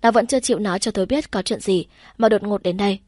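A woman narrates a novel in the first person, calm and steady in her storytelling. Her voice sits at a middle pitch and is recorded close and dry, with no room sound. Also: quick pace, no room sound. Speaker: audiobook narrator.

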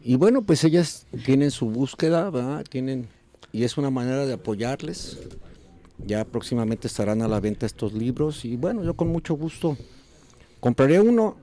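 A man's voice: mid-range voice, animated, normal speed, mellow. A Mexican man hosting a casual talk show, rambling with many fillers and restarts. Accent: Mexican Spanish. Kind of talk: casual radio chat.

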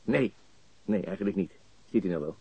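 Husky, shrewd police interrogator. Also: male voice, deep voice, animated, no room sound, exaggerated voice. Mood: calm, understated. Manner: unhurried, quietly probing, understated. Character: calm, shrewd, patient male police interrogator. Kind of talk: Dutch radio crime drama acting. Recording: dull lo-fi studio radio recording.

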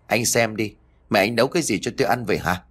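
A man voicing a harsh young mother who scolds her mother-in-law in a rude, fast voice. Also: lowish voice, a bit bright, slightly rough. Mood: scolding.

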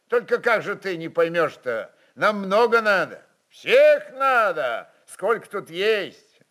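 A man playing a brisk, decisive Cossack chieftain with blunt, folksy speech in a dramatized reading. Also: fairly high pitch, a bit bright, exaggerated voice.

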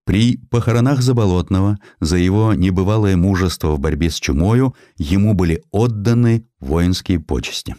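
A man narrating a historical story as an audiobook, in a measured, expressive, solemn and dramatic manner. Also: sits low, dry recording, studio quality. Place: dry studio.

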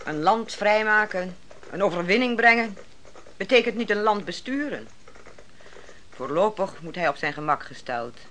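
A woman's voice: mid-range voice, lively intonation, normal speed, a bit bright, a little hiss or hum, lightly acted. An actress playing a shrewd, authoritative female leader in a Dutch radio play, coolly calculating and decisive.

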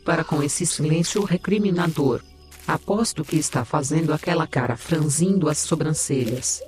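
A man voices a digital AI assistant with a diva's vanity in an audio drama. The voice sits a little high, teasing and theatrical, while delivering information matter-of-factly. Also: normal speed, darkish tone, soft background music, lightly acted. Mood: sassy, teasing. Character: sassy, vain digital AI assistant, self-styled diva.

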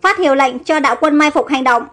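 A commanding young warrior pharaoh, as a woman narrator reads him, giving firm orders in an audio storybook. The voice sits high and stays close to the narrator's own. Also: fast talker, fairly bright tone, soft background music.

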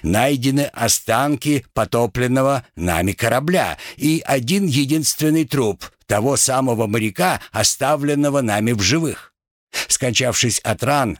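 A haughty aristocratic pirate captain, put on by a man, speaking slowly and grandly. The voice sits well above the reader's own and is heard close and dry. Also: mid-range voice, no echo, pitched above the performer's own voice. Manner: slow, drawling, aristocratic.

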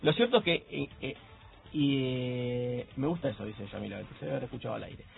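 A man's voice: medium pitch, expressive, brisk, gravelly, slight background noise. A man with an Argentine accent co-hosting a radio tech show, chatting loosely and joking, often restarting his sentences. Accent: Argentine Spanish. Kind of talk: casual radio chat. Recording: phone-like radio broadcast.

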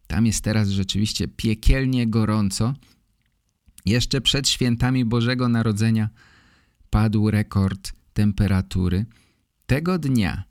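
Slow, deliberate male podcast host, fairly low. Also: darkish tone, no room sound, studio quality. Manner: deliberate, short separated phrases. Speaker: podcast host, Polish language teacher. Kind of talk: podcast monologue for language learners.

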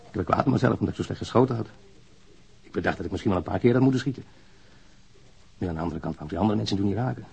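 An actor playing a working-class man confessing to a killing in a radio drama, halting, frank and matter-of-fact. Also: fairly low pitch, a little mellow, heavily acted. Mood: bitter, resolute. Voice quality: gravelly, husky. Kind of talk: naturalistic radio drama acting. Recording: dull, muffled lo-fi sound.

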